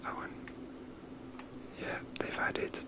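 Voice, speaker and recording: A man whispers ASMR video game commentary in a rambling, wry, sweary manner, close to the microphone. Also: takes it slowly. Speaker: video game streamer making ASMR gameplay.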